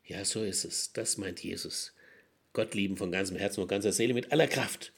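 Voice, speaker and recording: A man preaching a sermon to his congregation, earnest, with rises and drops in loudness for emphasis. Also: brisk, creaky, husky. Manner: earnest preaching with strong swells in loudness and pitch. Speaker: pastor.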